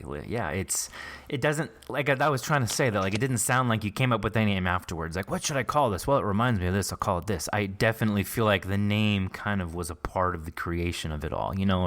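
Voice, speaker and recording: A man's voice: fairly low pitch, lively intonation, fast, fairly bright tone. A man hosting a podcast, talking casually as he interviews a guest. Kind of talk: casual behind-the-scenes interview.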